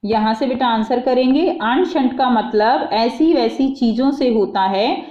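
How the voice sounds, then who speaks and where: A woman's voice: on the high side, measured pace, dark tone. A woman teaching a school worksheet, reading a passage aloud and then explaining it simply, calling her students "beta". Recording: echoey, dull lo-fi room.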